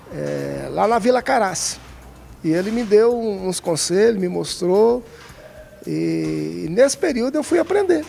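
Hesitant man with a gravelly voice. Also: high-pitched, mellow. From Brazil, Minas Gerais. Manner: hesitant, many fillers and restarts. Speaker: woodcarving artisan, guest. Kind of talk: casual interview answers. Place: craft shop, indoors. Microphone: handheld mic held by interviewer.

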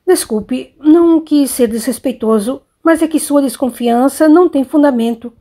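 A sulky, restless young son in an audiobook, voiced by a woman reader, giving curt, defensive answers in a somewhat high, warm voice. He sounds bored and on edge. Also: normal speed, close to an everyday voice. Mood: irritated.

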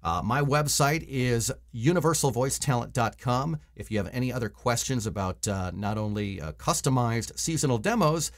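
A man in his forties speaks at a medium pitch in a conversational coaching style. He explains things casually and stresses key points by repeating them. He sounds like someone recording a tutorial at a desk in a small room at home. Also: lively intonation, moderate pace, hardly any pauses. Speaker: voice-over coach and voice actor. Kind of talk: casual instructional vlog to camera.

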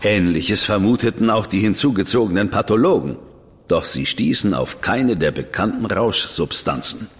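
An actor playing a reserved, measured investigator in a radio drama. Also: male voice, on the low side, lively intonation, natural voice. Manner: measured, dry, withholding. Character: cool, reserved male investigator, brother of a famous detective. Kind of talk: German radio drama acting. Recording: long reverb with music behind.

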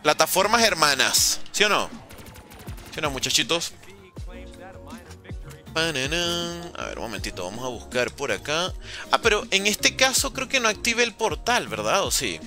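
A man's voice: on the high side, sing-song, normal speed, long pauses, sharp tone, soft background music. A young man streaming a zombie game live, playfully joking, teasing his chat and swearing as he plays. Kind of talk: live gaming commentary, reading chat.

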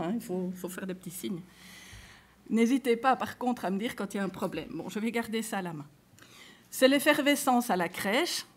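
Speaking on the high side, a Belgian French-accented woman lectures at a conference before a live audience. Her manner is conversational: she speaks straight to the listeners and reads sample cases out loud.

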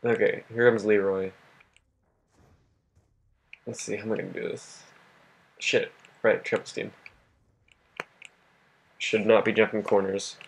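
A young man with a husky, worn voice that he is losing, giving casual gameplay commentary, swearing and talking to himself. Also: fairly low pitch, flat delivery, unhurried, pauses often. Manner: swears a lot, laughs often, talks to himself. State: losing his voice. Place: home at night.

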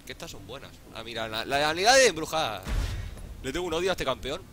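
A man with a Spain Spanish accent doing casual gameplay commentary, excitable, swearing often and pleading out loud. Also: mid-range voice, quick pace, slight background noise. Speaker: gaming YouTuber.

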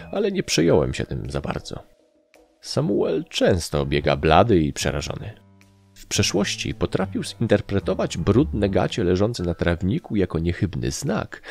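Male audiobook narrator, low and gravelly, animated delivery. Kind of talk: scripted narration.

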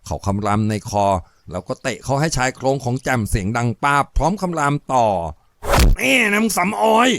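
A man reading a novel aloud as narrator, with steady storytelling. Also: medium pitch, brisk, hardly any pauses, no echo.

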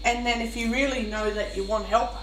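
A woman's voice: a little high, steady tone, brisk. A woman venting in an exasperated, casual monologue while eating, her mouth sometimes full. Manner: exasperated, complaining. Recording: roomy, noisy, far from the mic.

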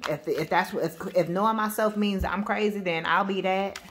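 A woman with AAVE speech giving a spiritual reading to camera, loud and powerful, blunt and emphatic, cursing freely and restarting her sentences. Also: medium pitch, moderate pace, slight background noise. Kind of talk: casual spoken reading to camera.

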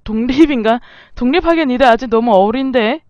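A woman's voice: on the high side, a little fast, darkish tone, no echo, dull audio. A woman casually commenting on a video game as she plays, chatting to the animals on screen. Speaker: game streamer. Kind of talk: casual let's-play commentary.

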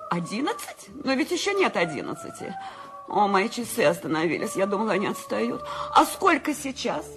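A woman's voice: medium pitch, wildly swooping pitch, fairly quick. An actress playing a bedridden wealthy woman, panicky and insistent, pleading on the telephone in a radio play. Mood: alarmed. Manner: panicky, insistent, breaking into whispers. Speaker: Mrs. Stevenson. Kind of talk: 1970s radio play acting. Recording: radio play with background music.

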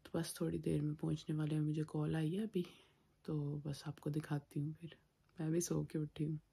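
A woman in her thirties hosting a casual vlog with a husky voice, talking to a phone at home. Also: low voice, flat delivery, a little fast, dark tone. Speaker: vlog host. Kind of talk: casual vlog chat to camera. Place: living room at home. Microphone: phone at arm's length.

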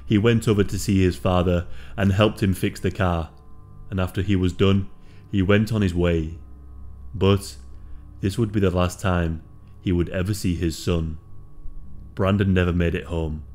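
A man reading a scripted true crime story in a steady, solemn manner. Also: low voice.

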